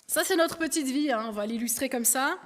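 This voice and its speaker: A woman giving a lively, conversational sermon, talking through an illustration with a helper and the congregation. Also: high voice, fairly quick, a little hiss or hum. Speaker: preacher. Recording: long hall reverb.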